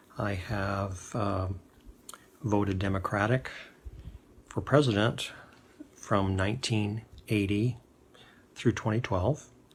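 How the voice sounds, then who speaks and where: Pausing long and often, a man talks at a very slow pace in a fairly low, somewhat breathy voice with fairly even intonation. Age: 60s. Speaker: vlogger sharing political story. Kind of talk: personal testimony. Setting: self-recorded video. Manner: halting, many fillers.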